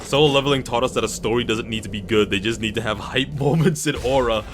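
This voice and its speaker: A man streaming casual reaction commentary to viewers, animated and slangy, swearing freely. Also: medium pitch, fast, over music. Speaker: streamer reacting to game cutscenes.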